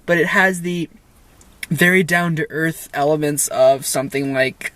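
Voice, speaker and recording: High-voiced enthusiastic young man. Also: unhurried, pushed and bright, dry recording. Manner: enthusiastic, rambling, laughs at himself. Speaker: co-host film reviewer. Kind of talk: casual film review chat.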